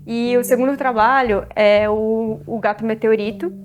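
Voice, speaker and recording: A woman's voice: a little high, fairly even intonation, normal speed. A woman with a Brazilian accent explaining her practice as a visual artist. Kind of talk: artist talking about own work. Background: music.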